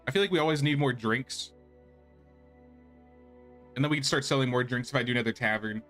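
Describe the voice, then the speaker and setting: Man, casual gameplay commentary, rambling, thinking out loud, game streamer, background music. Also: mid-range voice, brisk.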